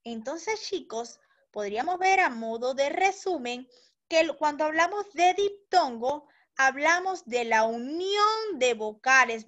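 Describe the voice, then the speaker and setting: A woman with a high voice teaches a recorded lesson for children at an unhurried, deliberate pace. She stretches out syllables and checks understanding with short questions. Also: a bit bright.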